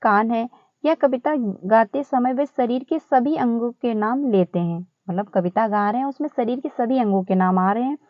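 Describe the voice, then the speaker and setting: Woman, exam-prep tutor, casual chatty explaining, slightly high voice, dry dull recording. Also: moderate pace, no room sound. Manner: chatty, repeats phrases with fillers. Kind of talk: casual Hindi-English teaching explanation.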